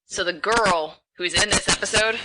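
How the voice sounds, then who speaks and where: A woman co-hosting a podcast, chatting casually and rambling in quick bursts. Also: mid-range voice, heavy background noise. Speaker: podcast co-host. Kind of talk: casual chat.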